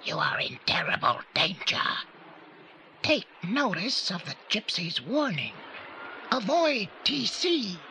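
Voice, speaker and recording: Old gypsy fortune teller, slow portentous delivery, sharp edgy voice, bit of tape hiss. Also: female voice, medium pitch, very animated, exaggerated voice. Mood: ominous warning. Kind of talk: 1980s audio drama acting. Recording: slightly noisy old audio play transfer.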